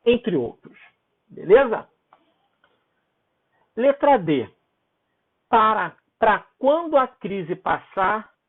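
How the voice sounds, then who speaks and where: A male teacher talks pupils through their homework tasks in an informal way, checking in with them often. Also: high-pitched. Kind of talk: recorded homework walkthrough for pupils. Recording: tinny phone-like audio.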